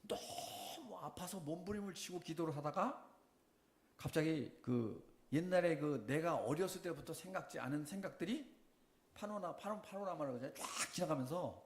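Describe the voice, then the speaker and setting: Animated man preaching in an echoey church. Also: fairly high pitch. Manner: animated storytelling with questions to the congregation. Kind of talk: sermon testimony.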